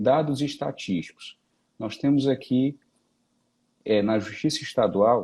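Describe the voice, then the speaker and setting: At a fairly slow pace with long, frequent pauses, a man speaks in a dark, mellow tone at a medium pitch with ordinary pitch variation. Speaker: accountant and forensic expert. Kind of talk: live webinar discussion. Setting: online live stream. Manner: verbose, detailed.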